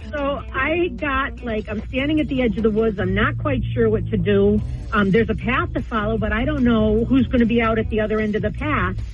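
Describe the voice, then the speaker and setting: The speech runs at a fairly quick pace with hardly any pauses. There is audible room echo and music in the background. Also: woman. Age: 60s. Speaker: caller. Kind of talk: phone-in anecdote. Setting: phone call.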